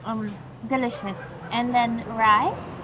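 High-voiced woman over rain noise. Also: fairly even intonation, takes it slowly. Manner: eager, explaining plans and food. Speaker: travel vlogger. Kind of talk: casual vlog talk. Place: open-air eatery in rain. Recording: loud rain noise behind.

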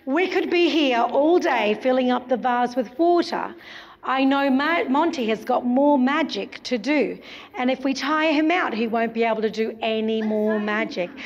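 Echoey sports hall, woman, kids party magician patter, high-pitched, theatrical wonder, faint noise. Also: moderate pace, muffled recording. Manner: exaggerated wonder, theatrical, sing-song prompting of children. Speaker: children's magician's presenter. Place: large indoor school sports hall. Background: children in the audience.

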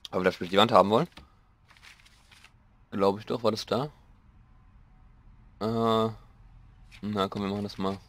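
A young man with a slightly hoarse voice, rambling casually through gameplay commentary and mocking himself as he goes. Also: on the low side, little pitch movement, a little slow, pauses often, fairly bright tone. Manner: rambling, self-mocking, thinking aloud. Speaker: let's play host.

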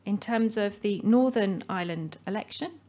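A woman at a podium reading out election results in a measured, formal way. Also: mid-range voice, mellow. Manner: measured, reading names slowly. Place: meeting hall. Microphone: podium microphone.

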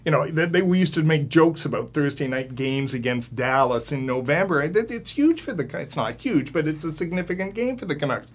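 A man's voice: on the high side, animated, a little fast, hardly any pauses, breathy edge. Older man, emphatic sports panelist. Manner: emphatic, repeats words when starting. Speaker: sports columnist. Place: studio with panel seated on stools.

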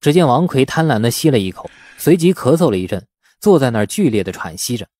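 Male narrator for dramatic fiction audiobook, lively intonation, dry studio-like sound. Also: mid-range voice, quick pace, no echo. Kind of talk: scripted dramatic novel narration.

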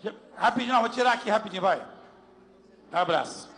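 A man's voice: sits high, a bit bright. A man leading a church service, joking and questioning people at the front in a folksy, teasing way. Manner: teasing, folksy, fast back-and-forth. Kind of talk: joking church testimony interview. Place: large church hall. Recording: long hall reverb with music.

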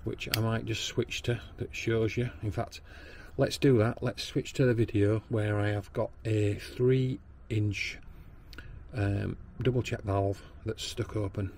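Gravelly Northern English man explaining plumbing. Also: lowish voice, steady tone, a little slow, darkish tone, a little hiss or hum. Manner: practical, explanatory, with ums and restarts. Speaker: plumber and backflow tester. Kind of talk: hands-on training demonstration. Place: workshop bench.

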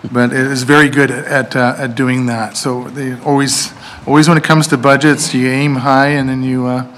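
A man of middling pitch answers a council in a halting way, stopping often to find his words. A faint hum sits behind his voice in the council chamber. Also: fairly bright tone. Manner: halting, many fillers and restarts. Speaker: library board chair.

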